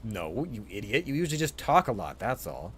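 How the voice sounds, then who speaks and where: A man voicing a reserved, gruffly kind male detective in a visual novel, speaking in a terse, matter-of-fact way. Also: on the low side, very animated, a little fast, fairly bright tone, a little hiss or hum. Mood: curious, brusque.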